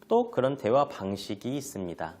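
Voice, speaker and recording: A man giving an online lecture to parents on family communication, explaining terms and acting out examples. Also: moderate pace. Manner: explanatory, with lively pitch swings and acted examples.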